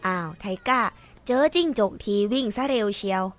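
A woman voicing an inquisitive, blunt young boy who asks lively questions in a children's audio drama. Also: high-pitched, normal speed, over music, close to an everyday voice.

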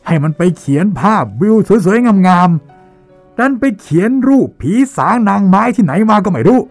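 An audiobook character, acted by a man, is a hot-tempered shop manager. He rants in loud exasperation, and his pitch is pushed well upward. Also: expressive, a little slow, soft background music. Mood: angry, exasperated. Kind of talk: dramatized audiobook acting.

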